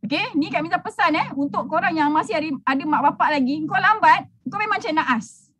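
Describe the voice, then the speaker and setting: Middle-aged Malaysian woman, business mentor, very high pitch, brash and teasing, preachy. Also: expressive, fairly quick, a bit bright. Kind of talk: motivational talk to a group.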